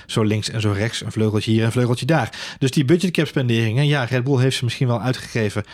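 A man co-hosting a casual racing podcast, talking quickly with many fillers and dry jokes. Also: mid-range voice, darkish tone, dry recording. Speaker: podcast co-host. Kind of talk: casual Formula 1 chat.

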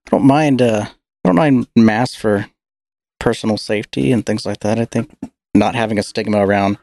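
A male podcast co-host with a low voice, recorded dry and close. He talks haltingly, stumbles over his words and sounds low on energy. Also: steady tone, gravelly, darkish tone, dry recording. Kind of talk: casual chat.

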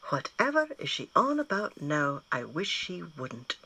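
A woman's voice: low-pitched, very animated, a little slow, bright, forceful tone, breathy edge, dry recording, full character voice, low-quality recording. A woman doing a weary, firm mother. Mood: puzzled. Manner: tired, firm. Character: weary, worried mother, firm but kind.

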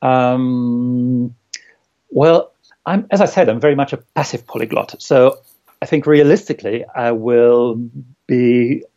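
A hesitant man with a dark, mellow voice talks carefully and pauses over his words. The recording is dull and lo-fi. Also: mid-range voice. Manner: hesitant, many uh fillers, careful phrasing. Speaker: interview guest. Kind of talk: casual interview chat.

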